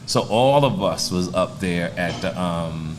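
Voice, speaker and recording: A man's voice: deep voice, lively intonation, measured pace, slight background noise. A man in his sixties, a stand-up comedian telling stories in a laid-back, streetwise way during a casual interview. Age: 60s.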